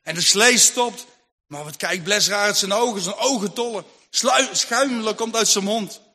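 Bright-voiced male storyteller with hall reverb. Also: high-pitched, normal speed. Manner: vivid, rhythmic telling with lists. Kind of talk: dramatic Christian story narration. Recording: long hall reverb, faint music.

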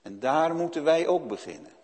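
A man's voice: on the high side, sing-song, moderate pace, a little mellow. A man preaching a sermon, earnest and speaking directly to his listeners with frequent "hè" tags. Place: church. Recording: long church reverb.

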